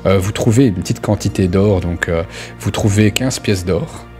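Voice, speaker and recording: A man narrates a tabletop role-playing game as game master, conversational and halting as he searches for words. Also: sits low, warm tone, faint music behind.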